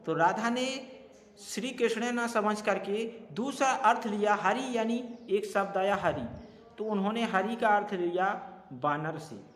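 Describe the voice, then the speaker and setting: A man teaching Hindi grammar for exam preparation, explaining examples slowly and repeating key phrases. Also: sits high, fairly bright tone. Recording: echoey room with long reverb.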